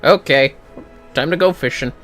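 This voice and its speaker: A man's voice: fairly high pitch, normal speed, fairly bright tone, faint music behind. A man giving casual commentary while livestreaming a video game.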